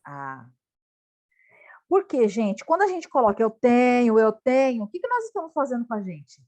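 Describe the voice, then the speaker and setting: A woman with a Brazilian accent leading an online study group over a video call, speaking straight to the group in a lively way. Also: fairly high pitch, moderate pace.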